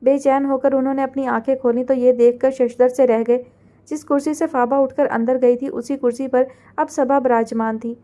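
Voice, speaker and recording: A woman narrating a romance novel aloud in a measured, literary way. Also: sits high, fairly even intonation, warm tone. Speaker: audiobook narrator. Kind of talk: novel reading.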